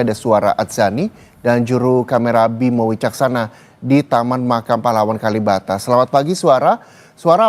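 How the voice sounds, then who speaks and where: A man presenting the news from the studio in a formal, scripted way, handing over to a field reporter. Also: medium pitch. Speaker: news anchor.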